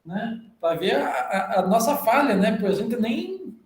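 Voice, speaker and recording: A man with a fairly high voice and a Brazilian Portuguese accent leads an academic presentation. He explains in long stretches and keeps checking in with tag questions. The room around him sounds echoey. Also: expressive, a little slow. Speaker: journal club presenter. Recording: roomy echo.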